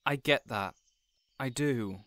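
A man playing a weary, reasonable young supervillain boss in a scripted audio roleplay, hesitant yet measured and exasperated. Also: medium pitch, a bit bright, no echo. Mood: subdued, doubtful.

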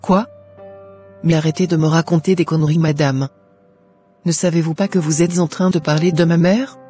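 A headstrong young orphaned daughter, acted by a woman in a Christian cartoon. Her voice is dark and mellow, her delivery dramatic and full of regret. Light music plays underneath. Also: low-pitched, fairly even intonation, normal speed, natural voice. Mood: tense. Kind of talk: amateur Christian cartoon dubbing.

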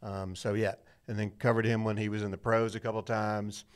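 A man's voice: fairly low pitch, level tone, fairly quick, clean tone. A middle-aged man telling his story in a casual, rambling, self-deprecating way as a podcast guest. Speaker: church media director, guest.

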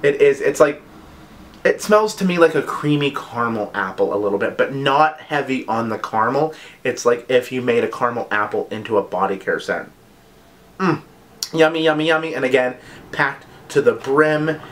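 A man talks through a casual product review for his vlog. His voice sits at an ordinary middle pitch. He is chatty and gushing, and he keeps slipping in quick asides. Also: lively intonation, fairly bright tone. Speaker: vlog host reviewing body care products.

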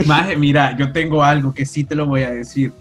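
A young man with a Salvadoran Spanish accent, a podcast guest talking over a video call in relaxed, slangy chat. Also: on the high side, moderate pace, soft background music. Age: young adult. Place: room at home, indoors. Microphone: video call with earphones.

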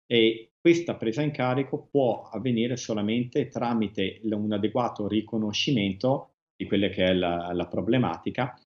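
A man speaking as an expert guest in a TV interview, measured and hesitant, with frequent restarts. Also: on the low side, lo-fi sound. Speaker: guest expert on rare diseases. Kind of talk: TV interview answers.

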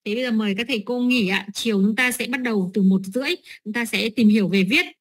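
A woman's voice: fairly high pitch, quick pace, slightly rough. A middle-aged woman training teachers, explaining lesson steps with many fillers and "right?" checks.

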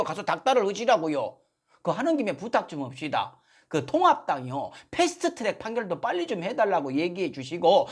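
A man's voice: high-pitched, husky. A man in his speech, hosting a satirical political monologue. He is sarcastic and mock-polite, indignant outbursts. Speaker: political commentary host.

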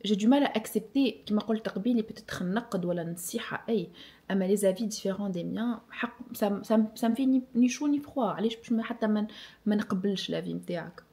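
A young woman with a Tunisian accent talks to her viewers in a relaxed, reflective vlog chat. Her voice is mellow and warm, sitting at an ordinary middle pitch. She slips easily between Arabic, French and English. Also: fast. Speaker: vlogger. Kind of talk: casual chat answering viewer assumptions.

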